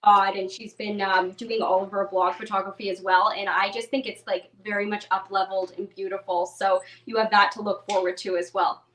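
A woman's voice: medium pitch, flat delivery, a little fast, few pauses, a bit bright, a little hiss or hum. Bubbly young woman, distant kitchen mic. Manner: bubbly, chatty, many "like" fillers. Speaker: cookbook author demonstrating a recipe. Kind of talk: live cooking demo. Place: home kitchen, indoors. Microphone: video call webcam at a distance.

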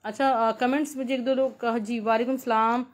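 High-voiced Pakistani woman pitching in live sale. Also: steady tone, normal speed. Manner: repetitive selling talk mixing English words into sentences. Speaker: live-sale host selling clothes. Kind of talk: informal live shopping sales pitch.

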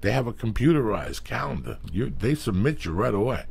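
A middle-aged man hosting a podcast, telling animated, profane stories from his past in a small studio on a studio mic. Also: on the low side, brisk, creaky, slightly rough. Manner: profane, animated storyteller who acts out quotes. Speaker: podcast host. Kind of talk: casual storytelling chat. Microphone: studio mic with headphones.

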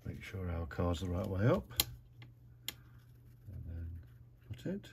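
A British man chatting through a card-making tutorial at his craft desk, relaxed and self-mocking as he talks himself through each step. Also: deep voice, takes it slowly, creaky, background noise.

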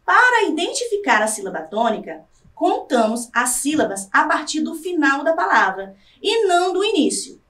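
A Brazilian woman teacher gives a scripted televised lesson, dragging out example words to stress their syllables. Her voice sits high and swoops widely. She sounds a bit off-mic in an echoey room. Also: sing-song, moderate pace, a bit bright, far from the mic. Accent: Brazilian Portuguese. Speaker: Portuguese language teacher.

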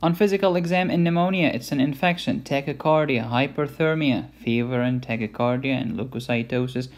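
A man's voice: mid-range voice, a little fast. A man giving an informal medical lecture in a playful, blunt and emphatic way. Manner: playful, blunt, emphatic teaching with mild cursing.

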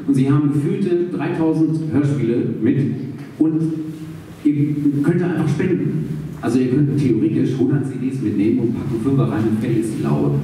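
A man's voice: mid-range voice, normal speed, long pauses, warm tone, far from the mic. A man presenting on stage, making a breezy, colloquial announcement to an audience. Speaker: event presenter. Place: theatre stage before an audience. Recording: echoey stage PA heard from afar, noisy.

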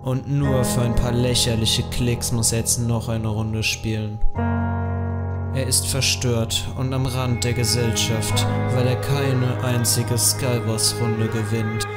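A young man reacting in an excited way as a gaming YouTuber, gasping and crying out with his mouth burning from spicy food. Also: medium pitch, slow, loud music behind the voice. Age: teenager to young adult. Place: small attic bedroom. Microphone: microphone on boom arm.

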